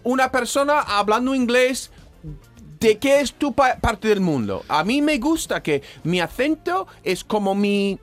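A man's voice: very high voice, lively intonation, measured pace, faint music behind. A man who speaks English as his first language, chatting casually as a guest and restarting as he searches for words. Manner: hesitant, restarts while searching for words in Spanish. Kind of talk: casual chat.

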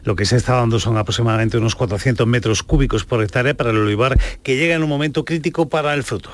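A man's voice: mid-range voice, fast. A man with an Andalusian accent giving a radio news report.

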